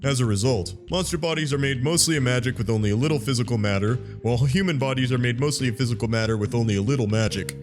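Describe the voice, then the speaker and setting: A man voicing a laid-back, wisecracking skeleton monster in a casual, deadpan way for a fan comic dub. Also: medium pitch, fast, hardly any pauses, faint music behind, close to an everyday voice. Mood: deadpan, explanatory.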